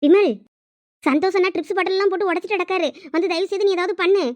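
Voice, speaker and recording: An anxious young woman urgently begs for help, as a woman acts her out. Her voice is very high and she talks fast. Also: fairly even intonation, darkish tone, dry recording.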